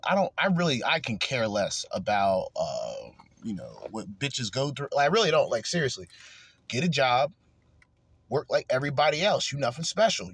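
A man's voice: medium pitch, fairly bright tone, husky, dry recording. A man hosting a podcast, ranting crudely and angrily in heated commentary. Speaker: podcast host.

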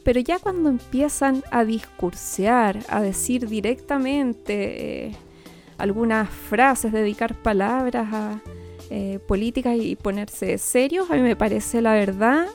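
A woman guest on a casual podcast, speaking in a measured, slightly formal way. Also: a little high, gravelly, darkish tone, soft background music. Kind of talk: opinion in casual chat.

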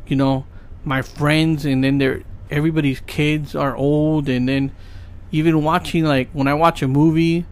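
A podcast host in his late thirties talks casually and earnestly about his goals in a fairly high-pitched, level voice at a moderate pace. His motivational monologue rambles, packed with fillers and frequent "right?"s.

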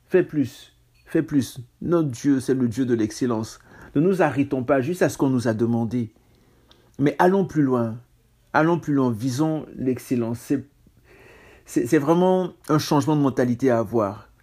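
A man's voice: mid-range voice, moderate pace, mellow. A man preaching a casual sermon on scripture, talking conversationally with self-mocking asides and stammered restarts.

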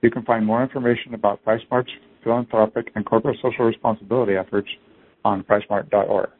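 A man's voice: lowish voice, flat delivery, quick pace. A man reading a scripted business presentation as a company executive on an earnings conference call. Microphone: conference call phone line. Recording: narrow tinny phone-line audio.

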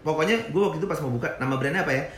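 A man's voice: a little high, rapid-fire, reverberant, over a noisy crowd. A man in his thirties telling stories about his restaurant business in a casual, slangy interview, laughing often and dropping English phrases. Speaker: restaurant founder guest.

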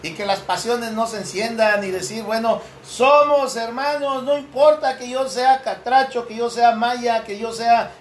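A man's voice: very high voice, steady tone, measured pace, hardly any pauses. A man hosting a casual Catholic talk show, chatting with a co-host, joking and laughing often, and reading news aloud. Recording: roomy with faint background noise.

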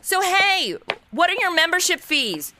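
An actress in her 20s plays a flippant modern young woman acting as an amateur detective, giving wisecracking first-person narration in a comedy audio drama. Her full character voice is extremely high-pitched and bright, a little slow yet lively and swooping, with slight background noise. She sounds breezy, sarcastic, distracted and easily sidetracked.

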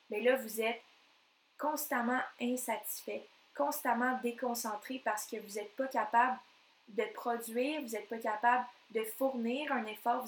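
Québécois woman coach, solo podcast, energetic and emphatic, slightly high voice, echoey room. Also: a little hiss or hum. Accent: Québécois French. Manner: energetic, emphatic, repeats phrases for effect. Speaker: NLP coach.

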